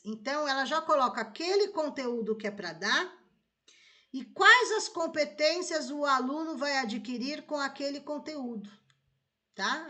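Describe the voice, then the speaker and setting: Brief: Brazilian woman teacher, higher bright voice, chatty, keeps checking listeners follow. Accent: Brazilian Portuguese. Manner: conversational, checks understanding with tags like "tá?" and "né?". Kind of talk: explanatory lesson.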